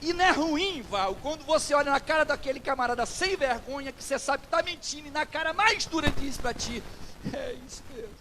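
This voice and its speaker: A male Brazilian pastor delivers a sermon in a notably high voice and acts out the dialogue of the people in his stories. A faint hum of noise sits behind him. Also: animated, fast talker, few pauses. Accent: Brazilian Portuguese. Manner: preaching with rising intensity, acting out quoted dialogue.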